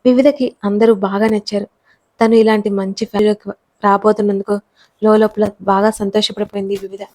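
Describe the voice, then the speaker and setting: Woman narrating a story, calm, pretty flat, dry close sound. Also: medium pitch, a little fast, no echo, rough recording. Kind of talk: scripted audiobook narration.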